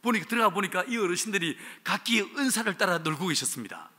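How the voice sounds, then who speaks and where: A male pastor with a Gyeongsang accent preaching a revival sermon, telling stories with animated humor. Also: sits high, fast, breathy edge. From Jinju, South Korea. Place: church sanctuary. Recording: reverberant church hall.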